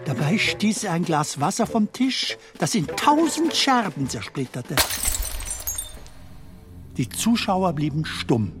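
An actor playing an elderly, wistful comedian telling stories in a theatrical radio drama manner, with dramatic pauses. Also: male voice, a little high, sing-song. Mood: amused, excited. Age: older. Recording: music under the voice.

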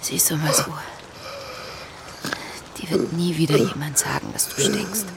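A woman playing a distressed but defiant and compassionate thirties character in a naturalistic radio drama, speaking haltingly. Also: deep voice, creaky, heavy background noise. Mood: tender, soothing. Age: 30s.

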